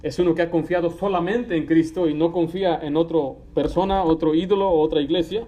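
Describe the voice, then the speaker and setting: A young adult pastor preaches a conversational sermon in a church sanctuary, full of anecdotes and acted-out quotes. His voice is fairly high, steady and mellow, moving a little fast, and the room is echoey with faint ambience.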